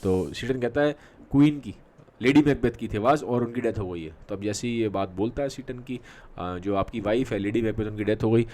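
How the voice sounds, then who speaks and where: A man's voice: fairly low pitch, darkish tone. A man teaching literature, explaining a play in casual Hindi mixed with English, full of fillers and check-ins. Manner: mixes Hindi with English terms, many fillers and "theek hai" checks; reads quoted verse slowly with halting restarts.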